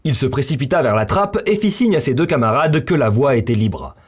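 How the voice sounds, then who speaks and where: A man's voice: medium pitch, very animated, a little fast, breathy edge. A man delivering scripted narration for a science-fiction visual novel. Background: music.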